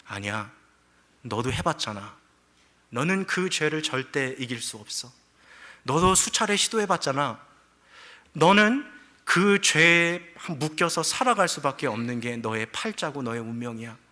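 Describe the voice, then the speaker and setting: The voice of sin itself, scornful and taunting, bright and pushing in a sermon story, put on by a man. It belittles the listener's failures with a sneer. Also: on the high side, expressive, unhurried.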